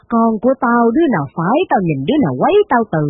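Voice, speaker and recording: A woman's voice: fairly high pitch, big pitch swings, moderate pace, slightly rough, no echo, big-room sound, faint music behind, exaggerated voice. A woman voicing a rich, domineering old mother who scolds bluntly and harshly. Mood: scornful. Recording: tinny phone-like, dry.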